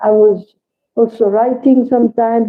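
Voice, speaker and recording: A woman with a French accent speaks at a fairly slow pace. Her fairly high voice stays monotone and flat. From France. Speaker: devotee speaker. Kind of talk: personal reminiscence talk.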